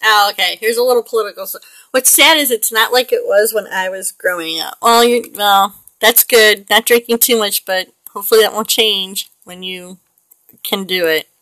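A woman's voice: mid-range voice, moderate pace, sharp tone, no room sound, low-quality recording. A woman in her late forties, chatting casually and rambling with frequent laughs while she paints digitally. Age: 40s. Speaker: digital artist.

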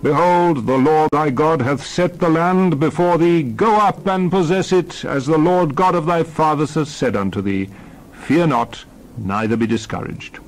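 A man's voice: fairly high pitch, measured pace, close to an everyday voice, low-quality recording. A man playing Moses as a solemn, commanding biblical leader, declaiming archaic scripture in a dramatized Bible reading. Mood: solemn, exhorting.

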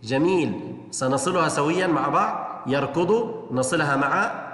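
A male teacher gives a recorded lesson to young children. He sounds out words slowly, syllable by syllable, and keeps praising the pupils. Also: fairly high pitch, a bit bright. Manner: slow, drawn-out syllable-by-syllable pronunciation; encouraging, praising imagined pupils. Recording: echoey room with long reverb.

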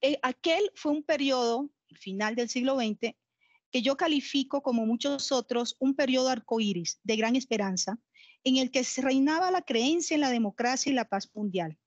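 A Colombian woman in her forties reads an academic paper in a measured, formal way. She speaks on a fairly high voice through a headset, the sound very dry and a little dull. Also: no echo. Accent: Colombian Spanish. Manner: measured, formal, reading aloud. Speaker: conference speaker. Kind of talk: academic lecture read from text. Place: home office, video call.

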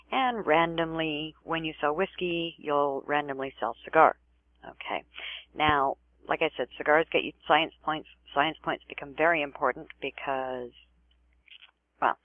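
A man with a somewhat high voice walks through a website tutorial in a laid-back way, checking in with "right?" as he goes. His voice is narrow and tinny, like a phone line, and the room sound is very dry. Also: gravelly, dry recording. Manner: relaxed, says "right" and "all right" often. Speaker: tutorial narrator. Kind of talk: casual screen-recorded walkthrough.

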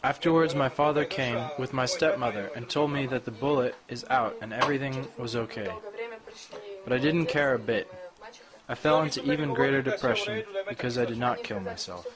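A man in his forties from Croatia, with a Croatian accent, giving a slow, candid personal testimony to a group in a covered outdoor courtyard. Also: medium pitch, expressive, low-quality recording. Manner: slow, measured and candid, with short plain sentences. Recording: crowd murmur behind. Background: group of listeners.

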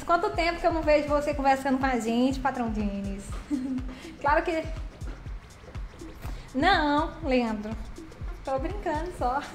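A woman's voice: high voice, a bit bright. A woman hosting a casual live stream, greeting viewers by name with pet names and chatty affection. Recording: roomy echo with faint background music.

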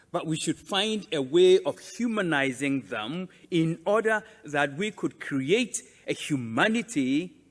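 A man giving a formal prepared conference speech, deliberate and emphatic, with measured pauses. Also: a little high. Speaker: conference speaker presenting a museum. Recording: echoing hall with long reverb.

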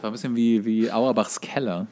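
A man's voice: fairly low pitch, fairly even intonation, fairly quick, darkish tone. Young man casually telling bar anecdotes. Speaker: podcast co-host.

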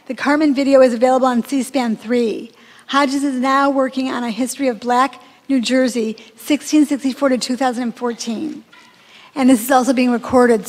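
A woman hosting an event, reading out a prepared introduction of the speaker and stumbling over some names. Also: high-pitched. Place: large lecture hall, seated at a lectern. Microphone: desk microphone. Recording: reverberant hall.

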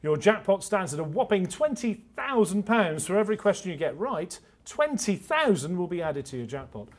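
A man's voice: high voice, sing-song, normal speed. A man playing an upbeat TV quiz show host, presenting and commentating with suspense and emphatic delivery. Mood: suspenseful. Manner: builds suspense, counts down emphatically.

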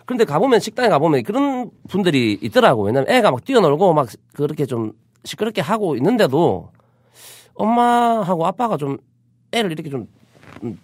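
A man from Busan co-hosting a casual talk show, telling stories with animated, acted-out quotes. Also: fairly high pitch, a little fast, dry recording, clean studio sound. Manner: animated storytelling, acting out loud quotes. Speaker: podcast co-host. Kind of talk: casual chat.

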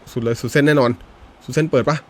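Over loud music, a fast-talking gaming YouTuber plays a football video game and narrates it casually and excitedly. He shifts from low muttering to high-pitched yelps and curses at the game.

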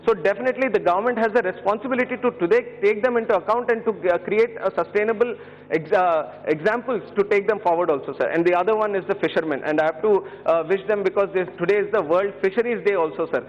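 High-voiced Indian man addressing parliament. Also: fast talker. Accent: Indian English. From Andhra Pradesh, India. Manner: earnest and pleading, many hesitations and "sir" addresses, gesturing. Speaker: member of parliament. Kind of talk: parliamentary speech. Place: large parliament chamber, indoors. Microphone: fixed desk microphone. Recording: reverberant chamber, dull broadcast audio.

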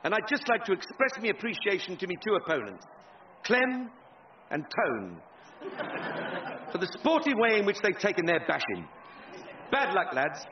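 An actor playing a pompous, chummy, self-important MP in a radio sitcom, boastful and colloquial. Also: male voice, sits high, very animated, normal speed, long pauses, highs cut off, crowd noise, noisy background. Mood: grandly gracious. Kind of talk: 1950s-style radio sitcom acting.

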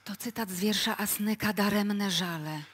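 An actress playing a hard, weary, calculating widow in a radio play, with a husky, breathy voice. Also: female voice, medium pitch, normal speed, natural voice. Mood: weary, conspiring. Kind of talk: live radio play acting.

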